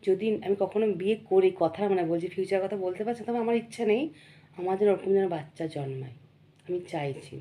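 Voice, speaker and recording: Young woman vlogger, hoarse with a cold, dark mellow tone, earnest and preachy to camera. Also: medium pitch, fairly quick. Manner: earnest, preachy, keeps checking in with the listener. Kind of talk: casual monologue to camera.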